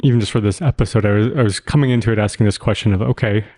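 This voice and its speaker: Lowish-voiced man, thoughtful podcast host. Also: rapid-fire, a little mellow. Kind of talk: reflective discussion.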